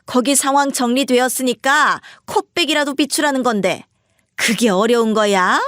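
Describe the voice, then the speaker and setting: A woman voicing a sharp-tongued older mother-in-law in a storybook reading, firing off rapid reproaches. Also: high voice, no echo, studio quality, pitched above the performer's own voice. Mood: scolding. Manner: scolding, rapid-fire reproaches.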